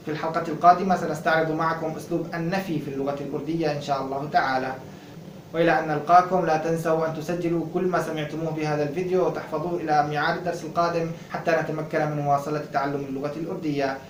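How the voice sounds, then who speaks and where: A man teaching an Urdu lesson, repeating word pairs slowly and lifting his voice on each drilled word. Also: steady tone. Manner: repeats words slowly, raising pitch on the drilled words. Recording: roomy, distant mic, faint noise.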